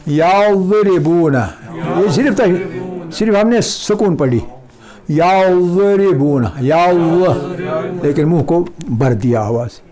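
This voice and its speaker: A middle-aged man with an Urdu accent teaching Quran recitation, repeating each word slowly and stretching its sounds for his students. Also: fairly high pitch. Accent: South Asian Urdu. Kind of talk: slow recitation lesson with drilled repetitions.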